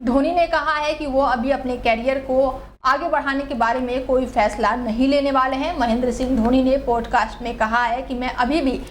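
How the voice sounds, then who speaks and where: Higher-pitched woman reading news. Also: steady tone, moderate pace, hardly any pauses, slight background noise. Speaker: news anchor.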